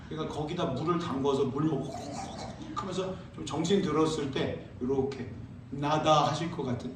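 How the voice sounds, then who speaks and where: A man preaching a sermon as pastor, asking his congregation questions and answering them himself, and reading scripture slowly. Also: a little high, a little mellow, a little hiss or hum. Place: church sanctuary. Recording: very echoey church, heard from a distance.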